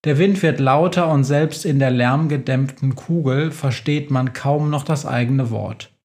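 Brief: unhurried male narrator, mid-pitched, calm children's storytelling. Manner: calm, measured reading. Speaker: storyteller and podcast host.

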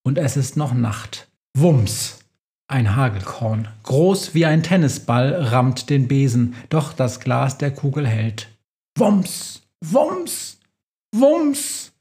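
Brief: unhurried male narrator, mid-pitched, calm children's storytelling. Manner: calm, measured reading. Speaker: storyteller and podcast host.

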